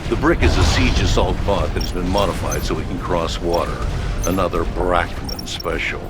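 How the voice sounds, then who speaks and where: An actor playing a gruff male headquarters officer who gives brisk orders with rough swearing. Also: low-pitched, lightly acted. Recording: game audio under loud music.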